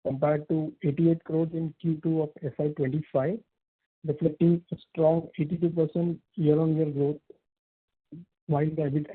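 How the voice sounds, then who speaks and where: A man's voice: a little high, husky. A man with an Indian accent formally presenting financial figures as a company executive on an earnings call over a phone line. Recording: muffled, phone-like conference line.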